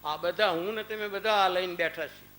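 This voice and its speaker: A man with a fairly high, bright voice gives a spiritual discourse to a small group. His talk is chatty: he calls on listeners by name, tells anecdotes and recites verses between points. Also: normal speed. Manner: conversational, addresses listeners by name. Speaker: religious discourse speaker.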